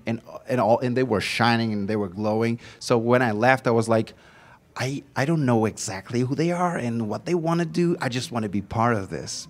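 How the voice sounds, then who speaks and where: A man from Portugal, an actor recalling his film work earnestly at a panel, often restarting his sentences. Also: mid-range voice. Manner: earnest, halting with many restarts. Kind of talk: casual recollection at a panel.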